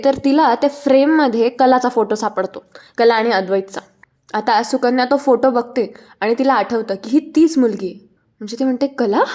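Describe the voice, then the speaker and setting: A woman with a slightly high voice casually recaps a TV serial episode. She talks in a loose, chatty way and fills gaps with fillers and restarts. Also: darkish tone.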